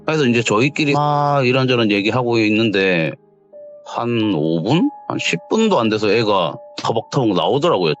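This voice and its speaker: A man's voice: medium pitch, big pitch swings, moderate pace. Man telling a ghost story. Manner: casual, conversational, quietly dramatic. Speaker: guest storyteller. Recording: lo-fi audio with faint music.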